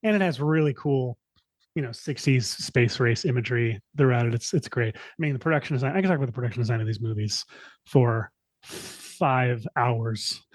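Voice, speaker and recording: A man's voice: mid-range voice, normal speed, dry recording. A younger adult man, a filmmaker guest, chatting enthusiastically and rambling with lots of fillers. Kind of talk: casual interview chat.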